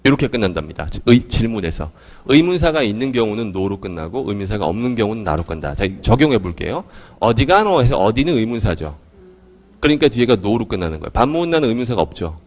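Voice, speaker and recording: Guy lecturing a crowd on a handheld mic, talks quick, voice bounces all over, keeps throwing questions at the room. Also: lowish voice. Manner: lively, questions the audience. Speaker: English education lecturer. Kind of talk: lecture to a live audience. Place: lecture hall with audience.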